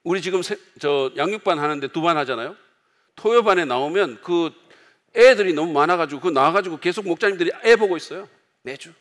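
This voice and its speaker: Korean pastor preaching in a reverberant church. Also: male voice, on the high side, expressive, fairly quick. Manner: conversational preaching, acts out quoted outbursts loudly. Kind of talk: sermon. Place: church sanctuary.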